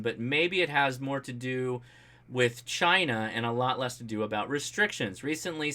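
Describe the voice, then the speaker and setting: An American man with a bright, forceful voice at a middling pitch hosts a casual livestream. He talks in an animated, colloquial way, joking as he reads and answers comments from viewers. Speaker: host of a ham radio livestream.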